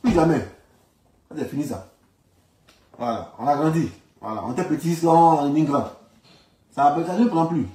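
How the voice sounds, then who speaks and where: Echoey, higher-pitched Ivorian man. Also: normal speed, long pauses, mellow, slight background noise. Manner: repeats phrases emphatically, colloquial. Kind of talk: informal political commentary. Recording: echoey room, distant from microphone.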